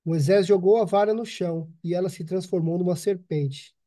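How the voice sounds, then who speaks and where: A man reading a Bible passage aloud in a plain, steady way. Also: high voice, moderate pace. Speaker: scripture reader. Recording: voice heard from away from the mic.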